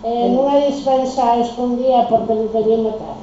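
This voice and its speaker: A woman gives warm affirmation in a group talk. Her voice sits high but has a dark, mellow tone. The recording is dull and echoes strongly around the room. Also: steady tone, normal speed, a little hiss or hum. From Spain. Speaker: group discussion participant.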